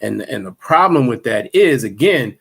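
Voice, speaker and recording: A man's voice: mid-range voice, very animated, normal speed, gravelly, breathy edge. A man teaching a livestreamed religious class, in a preachy, repetitive way with many fillers and restarts.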